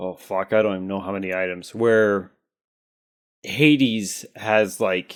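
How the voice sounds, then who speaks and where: On a very clean recording with a silent background, a man uses an unremarkable speaking voice, fairly low in pitch, at a fairly slow pace with ordinary pitch variation. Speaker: gaming podcast co-host. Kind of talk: casual chat.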